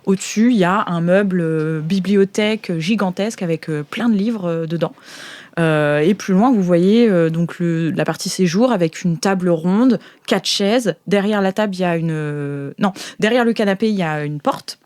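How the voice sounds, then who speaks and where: A woman's voice: fairly low pitch, moderate pace, a little mellow, no echo. A woman improvising scene descriptions as a game master in a casual, conversational way.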